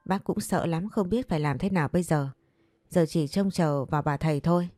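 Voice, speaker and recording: A woman's voice: on the low side, a little fast, dry recording, clean studio sound, natural voice. Woman doing a frightened, snappish older woman. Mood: tearful. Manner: anxious and sharp-tongued.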